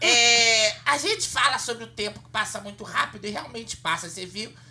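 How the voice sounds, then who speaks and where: Over noticeable background noise, a woman with a fairly high pitch speaks at a moderate pace, with ordinary pitch variation and big swings in loudness. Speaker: podcast co-host, teacher persona. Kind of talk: casual chat.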